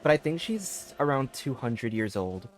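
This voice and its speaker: A man chats as he livestreams a game. His voice sits at a middle pitch, and he rambles casually and hesitantly over faint background music. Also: big pitch swings, measured pace. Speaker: game streamer.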